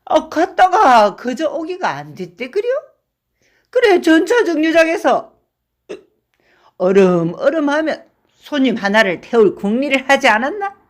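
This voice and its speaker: A woman's voice: sits high, very animated, unhurried, pitched above the performer's own voice. A boisterous drunken rickshaw man of middle age, bellowing and slurring his words, as a woman acts him out. His voice leaps up and down wildly from boast to sob. A storybook reading brought to life. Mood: boastful storytelling. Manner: shouting, slurred drunken bluster.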